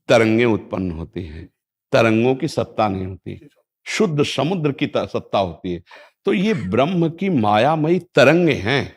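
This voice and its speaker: Man giving a measured spiritual discourse. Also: mid-range voice. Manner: measured, reciting Sanskrit verses, affirming with frequent "ji" and "haan". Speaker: spiritual teacher.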